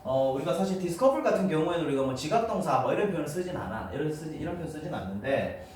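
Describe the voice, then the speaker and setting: Male English teacher, lively pitch, lecturing in a roomy hall from a distance, light room noise. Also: fast talker. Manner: explains step by step, often asking students for agreement. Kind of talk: classroom lecture.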